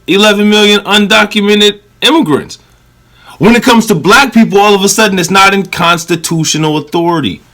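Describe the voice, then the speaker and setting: A man gives heated reaction commentary on a clip, blunt and sarcastic, with plenty of profanity. His voice is bright and forceful and sits a little high for a man.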